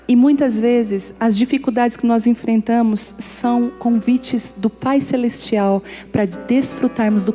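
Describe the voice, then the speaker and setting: A woman pastor preaching to a congregation, telling humorous stories and acting out the dialogue. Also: a little high. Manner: lively, humorous, acts out dialogue in anecdotes. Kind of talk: storytelling sermon. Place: church service before a congregation.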